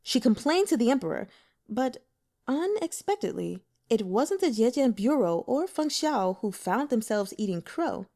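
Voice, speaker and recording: A woman narrating a novel as an audiobook with expressive storytelling. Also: fairly high pitch, normal speed. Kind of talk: scripted narration.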